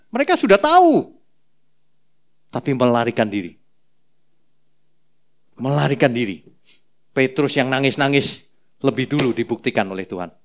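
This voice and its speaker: A man preaching a sermon as pastor, telling the story in a playful, animated way with many asides. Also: medium pitch.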